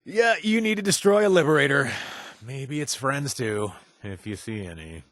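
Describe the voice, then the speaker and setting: Man voicing a sarcastic game companion, lively up-and-down pitch, stammering, dry booth recording. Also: normal speed, no room sound, close to an everyday voice. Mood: wry. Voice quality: animated, sarcastic delivery with hesitant stammers. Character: wry young man, quest-giving companion, sarcastic and jumpy. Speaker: video game companion character. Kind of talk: video game voice lines. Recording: dry studio sound.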